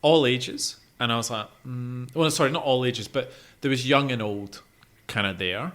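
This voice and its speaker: A man's voice: mid-range voice, normal speed, a bit bright. A man co-hosting a podcast, chatting casually about gigs he has been to. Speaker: podcast co-host.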